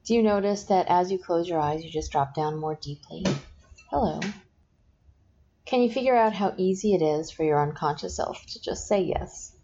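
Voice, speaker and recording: A woman guiding a hypnosis session, speaking in slow, soft, repetitive suggestions. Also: fairly low pitch. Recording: dull lo-fi sound with faint noise.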